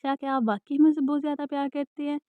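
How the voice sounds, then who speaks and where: A woman voicing a fragile, timid young woman in a romance audiobook, pleading softly. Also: sits high, level tone, no echo, natural voice. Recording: dry, tinny phone-like sound.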